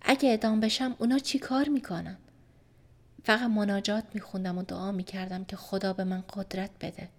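Soft-spoken woman narrating a story. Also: mid-range voice. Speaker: audiobook narrator. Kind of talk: first-person scripted story narration.

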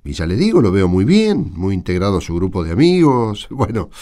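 Actor as an animated Argentine parish priest. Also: male voice, sits low, brisk. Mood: friendly, surprised. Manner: earnest, colloquial, persuasive. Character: caring, insistent male parish school priest, protective of pupils. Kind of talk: radio drama acting.

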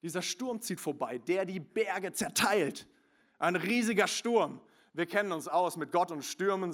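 A young man preaching a sermon, sliding from soft confiding asides into loud emphatic calls, with many fillers and restarts. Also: high-pitched. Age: young adult. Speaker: pastor.

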